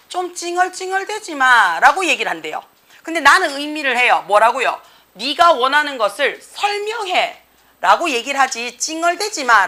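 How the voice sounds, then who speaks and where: A woman's voice: fairly high pitch, sharp tone. A young woman teaching an English reading lesson, explaining a passage and checking in with students with constant tag questions.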